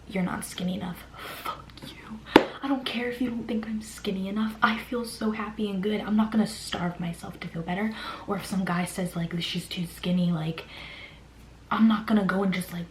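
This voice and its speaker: A young woman whispering a personal story in a chatty way, full of "like" fillers. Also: on the low side. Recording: echoey room with faint hiss.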